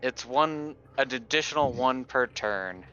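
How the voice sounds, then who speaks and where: A man's voice: medium pitch, expressive, a little slow, bright, forceful tone, muffled recording, a little hiss or hum. A man playing a tabletop game, talking in a casual, joking way.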